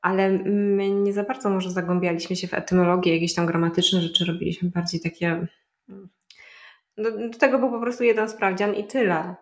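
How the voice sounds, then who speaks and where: A woman's voice: lowish voice, flat delivery, brisk, roomy sound. A woman guest in a casual interview who explains language learning at length, thinking aloud with fillers and restarts. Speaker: polyglot guest.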